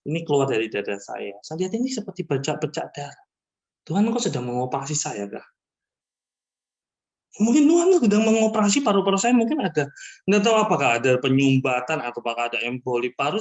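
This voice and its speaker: A man shares a personal testimony at an online church service, his voice carried over a video call. He tells his story in a lively, animated way and keeps turning to speak directly to his listeners. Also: fairly high pitch. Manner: animated storytelling, often addressing listeners as brothers and sisters. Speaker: church member giving a testimony.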